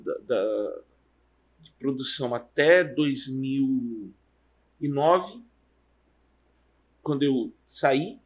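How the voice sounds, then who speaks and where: Man, middle-aged, husky voice, fairly high pitch, rambling storyteller. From Amazonas, Brazil. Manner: rambling, halting storytelling with restarts. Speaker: university professor, guest. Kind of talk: relaxed career interview.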